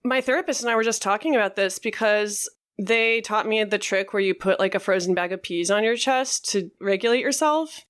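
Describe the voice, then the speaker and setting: A woman co-hosting a podcast, talking frankly in a halting way with many fillers. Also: mid-range voice, smooth. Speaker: podcast co-host. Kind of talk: candid conversational podcast talk.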